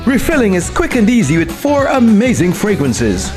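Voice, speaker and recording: Lively announcer over music. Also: mid-range voice, moderate pace. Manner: upbeat, promotional. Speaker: commercial announcer. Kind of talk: radio-style ad read. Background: music bed.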